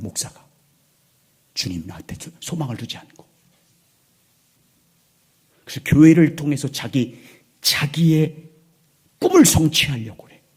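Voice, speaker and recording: A man in his sixties, a pastor preaching a sermon in a church, moving between loud emphatic lines and hushed, near-whispered ones. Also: fairly high pitch, husky. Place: church sanctuary.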